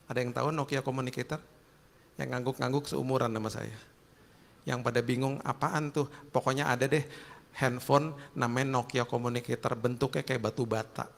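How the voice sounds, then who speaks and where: A middle-aged man with a Jakarta accent, telling lively, joking stories in a sermon. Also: mid-range voice, brisk, gravelly. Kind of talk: storytelling sermon. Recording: long hall reverb.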